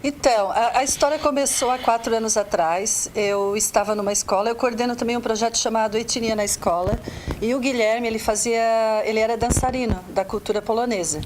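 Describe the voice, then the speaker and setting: A woman's voice: fairly high pitch, steady tone, brisk, a crowd in the background, rough recording. A woman teacher with a Southern Brazilian accent, telling stories in a casual talk-show interview, with many restarts. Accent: Southern Brazilian Portuguese. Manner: chatty storytelling with restarts. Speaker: teacher and arts coordinator.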